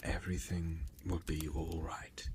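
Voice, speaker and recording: A man's voice: deep voice, little pitch movement, a little slow, a little mellow, a little hiss or hum. A man whispering soothing, comforting words in an ASMR style.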